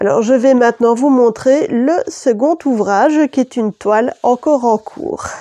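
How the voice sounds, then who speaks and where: Lively intonation comes through in a slight Belgian accent, with noticeable background noise and a dry, close sound with no echo. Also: woman, high pitch for a woman. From Belgium, Liège region. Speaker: crafts YouTuber. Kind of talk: casual video introduction. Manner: hesitant, frequent fillers.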